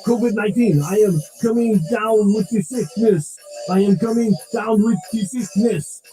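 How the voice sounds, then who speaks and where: A sick, lonely trucker streamer, hoarse and scratchy-throated, whines and begs for donations, as a man plays him. His voice sits high for a man and comes out dark and mellow. He drawls slowly, with faint music underneath. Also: close to an everyday voice. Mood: droning song. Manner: whiny, self-pitying, coughing. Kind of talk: comic parody clip.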